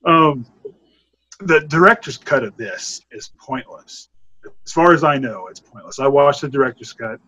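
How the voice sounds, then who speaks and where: A man with a slightly husky, mid-pitched voice talks over a desk mic on a video call. He rambles through his opinions with loose restarts and bursts of laughter. It sounds like casual podcast chat from a home room. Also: a little slow, dry recording, dull audio. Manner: rambling, laughing, animated when amused. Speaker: podcast co-host, horror film reviewer. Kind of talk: casual film review chat.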